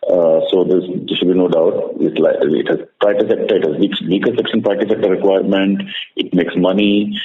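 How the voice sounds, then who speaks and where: A man with an Indian accent answering questions as a bank executive on a call, halting and repeating phrases to stress them. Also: low-pitched, fairly even intonation. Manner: repetitive, halting, emphatic restating of phrases. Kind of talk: spontaneous answers to analyst questions. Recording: echoey narrowband phone line with faint noise.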